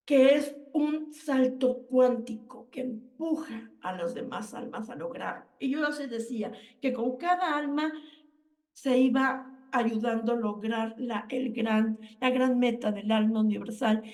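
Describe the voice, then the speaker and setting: A woman's voice: a little high, a little mellow, recorded from a distance. A woman giving an earnest, lecturing spiritual talk as a radio host.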